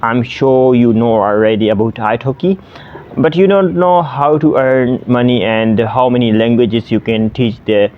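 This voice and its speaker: A man's voice: mid-range voice, steady tone, a little slow, phone-quality sound. A man in his twenties from Pakistan, a native Sindhi speaker, talking casually to the camera as an online language tutor, with many fillers and restarts. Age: 20s.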